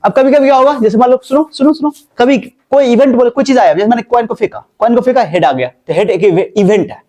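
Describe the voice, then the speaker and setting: A man's voice: very high voice, fast, warm tone. A man teaching a maths class, repeating himself and quizzing his students as he explains. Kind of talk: classroom lesson.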